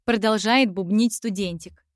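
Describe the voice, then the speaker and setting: A woman's voice: medium pitch, moderate pace, dry recording, studio quality. A woman reading a first-person novel aloud in a reflective, wry manner. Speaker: audiobook narrator. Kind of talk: first-person literary narration.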